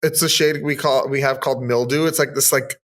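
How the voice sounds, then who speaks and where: As a guest on a podcast, this thirty-something makeup artist from Southern California talks casually and cheerfully, filling his speech with fillers. He speaks a little fast at medium pitch, with a steady, fairly bright tone.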